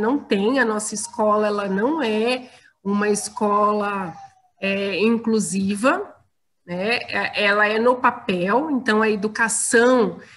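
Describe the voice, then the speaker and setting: Fairly high pitch from a woman, ordinary pitch variation, a very slow pace. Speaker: guest speaker on neurodiversity. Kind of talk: talk and Q&A. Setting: video call.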